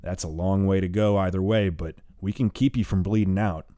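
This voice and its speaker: A man voicing a calm, gruff man in charge who gives orders with dry humor. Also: low voice, a little fast, no echo, close to an everyday voice. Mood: commanding. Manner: coolly commanding, drawling.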